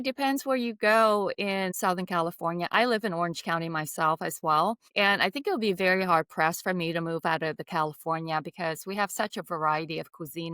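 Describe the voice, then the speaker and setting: A woman in her fifties from Vietnam, telling her story as a podcast guest in a lively, casual way with many fillers. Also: on the low side, smooth, no room sound. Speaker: guest, skincare founder.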